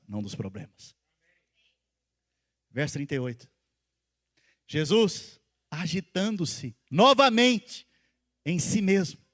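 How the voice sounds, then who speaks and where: High-voiced pastor preaching. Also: male voice. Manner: swings between loud emphatic calls and soft intimate asides; asks the congregation questions and repeats phrases for stress. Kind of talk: sermon.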